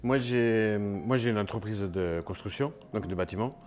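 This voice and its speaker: Deep-voiced man with an Italian accent. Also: darkish tone, faint music behind. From Italy. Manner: halting, many pauses. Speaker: guest. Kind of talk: casual interview chat.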